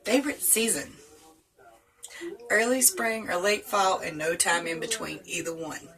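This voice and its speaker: A woman's voice: on the low side, fairly even intonation, a little slow, a crowd in the background, rough recording. A woman in her late thirties with a Southern US accent, chatting casually and laughing often while answering tag questions. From North Carolina. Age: 30s. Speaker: vlogger.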